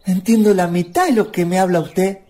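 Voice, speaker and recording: An actor playing a courteous, smitten country man in a radio play, with a Chilean accent and a husky voice. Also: high voice, normal speed, natural voice. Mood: flirtatious. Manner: polite, playful, animated.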